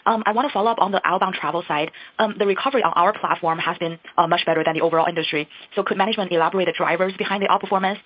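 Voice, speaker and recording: A woman analyst talks very quickly over a muffled conference phone line. She asks her questions politely, in a slightly low voice. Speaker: financial analyst. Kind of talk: polite question on an earnings call.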